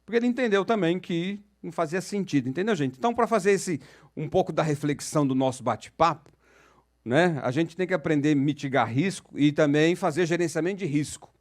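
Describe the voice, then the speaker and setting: A man's voice: on the high side, a little fast. Chatty São Paulo man telling a story. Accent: São Paulo Portuguese. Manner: chatty, jokey, asks the crowd questions. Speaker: panel moderator. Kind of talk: storytelling talk to an audience. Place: auditorium.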